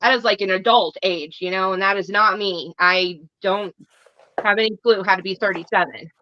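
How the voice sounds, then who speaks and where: A woman's voice: medium pitch, steady tone, normal speed, no room sound, highs cut off. A woman in her thirties chatting on a podcast, peppering her talk with "like". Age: 30s. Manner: lots of "like", incredulous. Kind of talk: casual chat.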